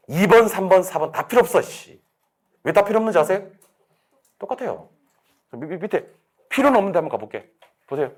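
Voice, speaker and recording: A man lecturing a real estate exam class, drilling students with quick questions and answering them himself. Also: on the high side, darkish tone. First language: Korean.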